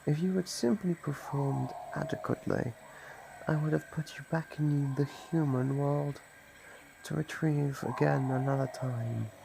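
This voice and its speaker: A man playing an ancient, predatory monster in an ASMR roleplay, taunting and possessive in a gravelly, theatrical voice. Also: fairly high pitch, steady tone, unhurried, background noise. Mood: possessive, smug. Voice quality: gravelly, creaky. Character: ancient predatory male monster, menacing, gloating, possessive hunter. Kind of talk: ASMR roleplay, dramatic monologue.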